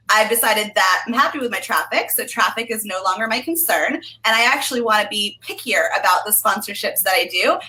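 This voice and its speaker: A woman's voice: medium pitch, pushed and bright, low-quality recording. A young woman, a travel blogger, giving casual advice on a video call with frequent ums. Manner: chatty, upbeat, frequent ums. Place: home room indoors. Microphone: video call webcam.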